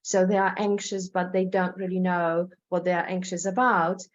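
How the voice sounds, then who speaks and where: A woman's voice: fairly low pitch, level tone, moderate pace, highs cut off. A woman from Poland with a Polish accent gives an informal presentation as a therapist, speaking hesitantly, repeating words and often checking in with the listener. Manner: hesitant, repeats words, tags sentences with "right?". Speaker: hypnotherapist presenting.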